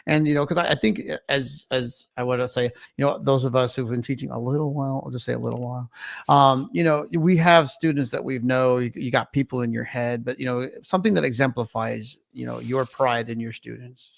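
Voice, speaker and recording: A raspy man over fifty hosting an interview in a casual, rambling way full of fillers. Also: mid-range voice, a little fast. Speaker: podcast host, choir teacher.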